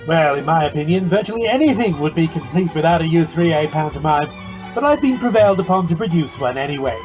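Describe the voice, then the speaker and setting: A man with a rather high voice gives a wry, theatrical comic introduction. The home video-call recording is slightly dull, with faint music behind him. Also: lively intonation, fast talker. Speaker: presenter introducing the show.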